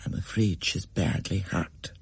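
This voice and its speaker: A reader voicing a gentle, grave woman schoolteacher with a husky, subdued voice. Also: low-pitched, fairly even intonation, unhurried, no echo, voice pushed down, heavily acted.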